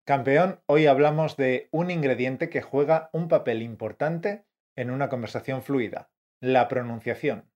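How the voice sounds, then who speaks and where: A man co-hosting a scripted teaching podcast, brisk and coaching in tone. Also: medium pitch, darkish tone, dull audio. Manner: brisk, coaching, calls listener "campeón" and "fiera". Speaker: podcast co-host, Spanish teacher.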